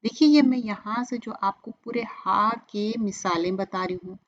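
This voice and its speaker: A woman teaching recitation rules, patiently repeating each example slowly and clearly. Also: mid-range voice, highs cut off. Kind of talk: step-by-step tajweed lesson.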